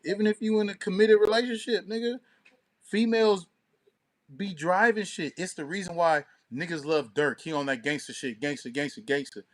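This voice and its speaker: Male podcast co-host, slightly high voice, opinionated and emphatic street-slang delivery, casual and profane. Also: normal speed.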